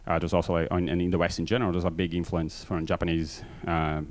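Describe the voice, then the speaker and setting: A middle-aged man from Brazil with a mixed Brazilian accent gives a casual conference talk on a stage with a handheld mic, quick and full of fillers. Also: sits low, little pitch movement, darkish tone. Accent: Brazilian Portuguese mixed. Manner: fast, filler-heavy, self-deprecating. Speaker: conference speaker. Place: large conference hall stage.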